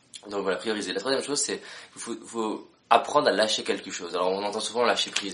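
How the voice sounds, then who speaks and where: Talking at a very fast pace, a man uses a fairly low pitch with ordinary pitch variation. Noticeable background noise runs underneath. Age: 20s. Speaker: motivational speaker. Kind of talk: motivational talk to camera. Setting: hotel suite. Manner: animated, frequent hesitations.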